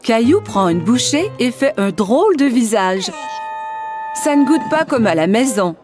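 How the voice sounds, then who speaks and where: A woman narrating a scripted children's cartoon story in an expressive storytelling manner. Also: on the high side, unhurried, soft background music.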